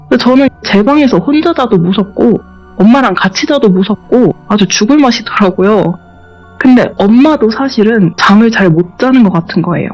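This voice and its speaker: A woman's voice: mid-range voice, a little mellow. Woman telling a ghost story, muffled audio. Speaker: interview guest sharing a true ghost story. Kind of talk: spoken storytelling in a horror radio interview. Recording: dull, muffled radio recording with faint music underneath.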